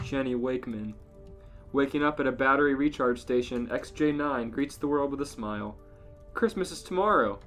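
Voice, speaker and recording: A man co-hosting a podcast, reading out comic fan fiction as a narrator. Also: medium pitch. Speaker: podcast co-host reading a story. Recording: music playing under the voice. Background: music.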